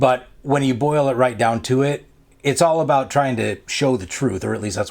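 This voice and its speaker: At a moderate pace, a man with a plain, everyday voice speaks in a medium pitch with ordinary pitch variation. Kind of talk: casual talk to camera.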